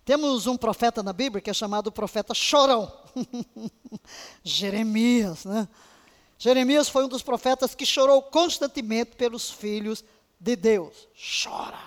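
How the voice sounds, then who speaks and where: A woman Bible teacher giving a fervent, emotional lesson on intercession, now and then breaking into soft laughs. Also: a little high, a little slow. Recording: long hall reverb.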